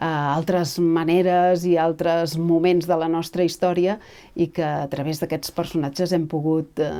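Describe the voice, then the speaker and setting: A woman speaks at a fairly slow pace in a fairly low, dark, mellow voice. Her intonation is monotone and flat, recorded very cleanly against a silent background. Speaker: voice actor. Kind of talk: interview answer.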